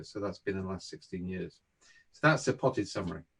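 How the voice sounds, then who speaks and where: A man speaks in a somewhat breathy voice with a fairly low pitch. The background is quiet. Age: 60s. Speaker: consultant and management scientist. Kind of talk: interview. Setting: at home.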